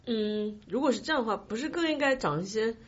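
Husky lady podcaster, teasing and curious, voice jumps up and down. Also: on the high side, lively intonation, quick pace. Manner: teasing, inquisitive, interjecting. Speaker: podcast host. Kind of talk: casual chat. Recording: dull lo-fi audio.

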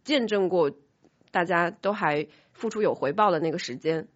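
A woman's voice: fairly low pitch, normal speed. A woman hosting a casual panel chat, speaking candidly and self-critically about herself as a boss. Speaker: podcast host, company boss. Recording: dull, band-limited sound.

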